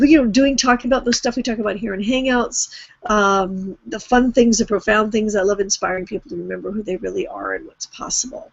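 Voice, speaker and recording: A woman's voice: a little high, creaky, dry recording. A middle-aged woman hosting a video hangout, chatty and rambling, with easy laughter. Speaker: host. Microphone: video call. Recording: dull, dry video call audio.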